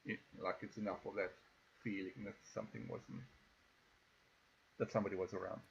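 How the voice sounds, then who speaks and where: A man with a South African accent narrating a tabletop game as game master in a relaxed, loose way with many fillers. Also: on the low side, a little fast, vocal fry, lo-fi sound, slight background noise.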